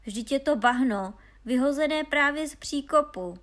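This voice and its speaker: A woman's voice: a little high, animated, lightly acted. A woman reading aloud and voicing two scornful, learned brothers who mock their younger sibling. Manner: mocking, sneering.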